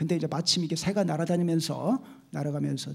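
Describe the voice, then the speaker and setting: Moderate pace, fairly high pitch, and ordinary pitch variation from a man in an ordinary speaking voice. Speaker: philosophy professor. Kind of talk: lecture. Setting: conference hall with audience.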